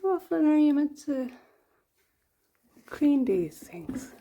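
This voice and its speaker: A woman's voice: sits high, big pitch swings, takes it slowly, mellow. A woman with an Irish accent chatting casually at home for her vlog, rambling and poking fun at herself. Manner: chatty, rambling, self-mocking. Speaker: vlogger. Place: at home, indoors.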